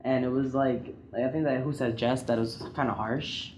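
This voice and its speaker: A teenage male student talking casually and haltingly in a class discussion, often repeating words. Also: medium pitch, fairly even intonation, darkish tone, slight background noise. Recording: echoey, dull muffled sound.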